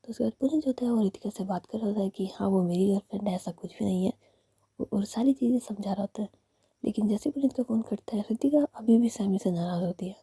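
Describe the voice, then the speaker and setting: A woman narrates a story in a steady, unvoiced whisper. Her voice is husky and gravelly with a dark tone. The sound is dry and close. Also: medium pitch, fast, no room sound.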